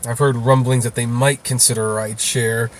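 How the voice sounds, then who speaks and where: A man being interviewed, talking casually and explaining things in a halting way with repeated words. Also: medium pitch, level tone. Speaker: interview guest, rideshare video creator.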